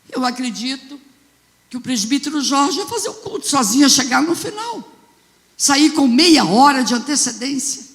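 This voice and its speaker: A woman with a Brazilian accent, a bishop telling a story in a sermon, fervent and swelling into loud exclamations. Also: sits high. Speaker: bishop preaching. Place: church sanctuary. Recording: long church reverb.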